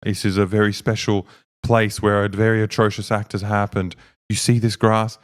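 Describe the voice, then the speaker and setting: A man putting on a creepy hushed old church woman. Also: lowish voice, flat delivery, normal speed, lightly acted. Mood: eerie hushed. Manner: soft, eerie, insistent murmur.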